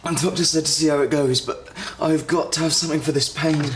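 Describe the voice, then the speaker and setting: A man's voice: on the high side, fairly even intonation, quick pace, a little hiss or hum, close to an everyday voice. Actor as a sickly young man, echoey. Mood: suffering, pleading. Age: young adult. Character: poorly, pleading young male patient. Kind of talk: naturalistic TV drama acting.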